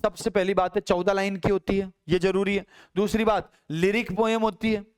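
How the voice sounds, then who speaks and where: A man's voice: high voice, level tone, normal speed, clean tone. A man teaching English poetry for an exam, explaining step by step and often checking that students follow, with Hindi-accented English. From Rajasthan, India. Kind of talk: classroom lecture.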